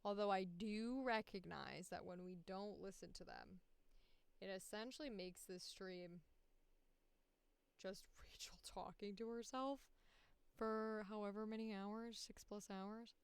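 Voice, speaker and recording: A woman chats casually as the host of a livestream. Her voice is exceptionally clear and smooth, recorded very dry and close. She speaks at an unhurried pace, with a joking, self-deprecating manner. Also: medium pitch, no echo.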